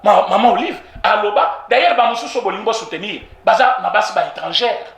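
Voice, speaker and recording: Animated Congolese man, high lively voice. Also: brisk, creaky, roomy sound. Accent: Congolese French. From Congo (DRC). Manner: animated, mixes French with Lingala, repeats for emphasis. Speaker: political commentator. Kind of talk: heated political street interview.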